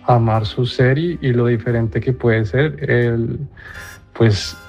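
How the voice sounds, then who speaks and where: A man's voice: mid-range voice, steady tone, slow, creaky, darkish tone, highs cut off, soft background music. A man with a Colombian accent leaving a casual spoken message, speaking in a hesitant, reflective and earnest way. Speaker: call-in listener leaving a message, personal trainer.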